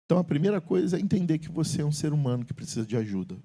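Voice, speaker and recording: A middle-aged male pastor preaching in a church sanctuary. His delivery swings widely, rising into loud, emphatic calls and then dropping into low, confiding tones. He speaks directly to the congregation. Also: big pitch swings, very fast. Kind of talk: sermon.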